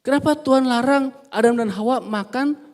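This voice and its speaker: A man preaches a sermon during a church service, funny and lively, quizzing the congregation and swinging between quiet asides and loud, emphatic bursts. His voice sits extremely high, and he keeps a moderate pace.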